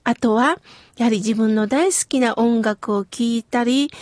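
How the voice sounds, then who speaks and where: A middle-aged woman from Kitakyushu giving gentle, slow, explanatory advice in a scripted talk. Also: high voice, no echo, clean studio sound. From Kitakyushu, Japan.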